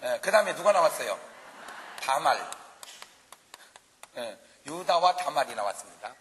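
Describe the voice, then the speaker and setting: Male revival pastor, animated preacher with a sharp, forceful tone, recorded live in a reverberant church. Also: a little high, unhurried, a little hiss or hum. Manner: animated, jokes and acts out quarrels for the congregation. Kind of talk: revival sermon. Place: large church revival meeting.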